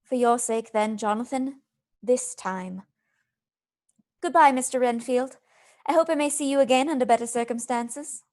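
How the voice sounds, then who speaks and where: A woman's voice: fairly high pitch, moderate pace, pauses often, darkish tone, close to an everyday voice. A woman playing a kind, resolute young wife in a radio play, polite, composed and formal. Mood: gracious. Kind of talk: live radio play acting.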